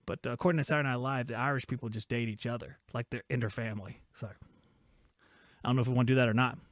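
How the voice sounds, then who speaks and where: A man in his forties hosts a live-streamed shop talk podcast from his workshop, rambling, joking and reading viewer chat aloud. His voice is medium-pitched, steady and fast, in a dry recording.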